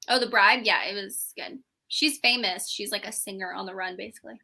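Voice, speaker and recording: A woman's voice: mid-range voice, brisk, creaky, bright, forceful tone. A woman chatting casually about books as a fellow panelist on a readalong.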